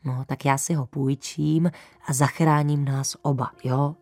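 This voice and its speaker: A woman voicing a friendly, talkative adult male chimney sweep who speaks calmly and kindly. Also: rumbling low, pitched below the performer's own voice.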